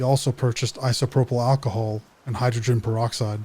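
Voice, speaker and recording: Soft-spoken and somewhat breathy, a man speaks at a moderate pace and medium pitch with a dark, mellow tone and monotone, flat intonation. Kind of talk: true crime sleep narration.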